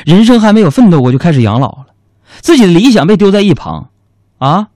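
A man's voice: high voice, very animated, fast talker, dark tone, no room sound, studio quality. A man hosting a radio show with a comic monologue, telling jokes at his own expense. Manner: joking, self-mocking storytelling. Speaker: radio host.

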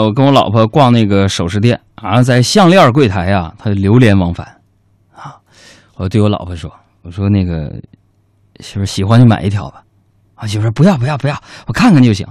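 A radio host tells jokes at his own expense. His voice is medium in pitch but swings up and down a lot. The studio sound is close and dry, with no room echo. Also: darkish tone. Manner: joking, self-mocking storytelling. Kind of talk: comic monologue.

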